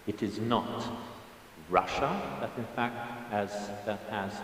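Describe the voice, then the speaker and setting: A man's voice: on the low side, fairly even intonation, a bit bright, a little hiss or hum. A man in his seventies, an audience member making a rambling, digressive comment at a lecture, talking without a microphone. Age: 70s. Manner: digressive, halting, with many restarts and asides. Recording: echoey hall, voice from far off.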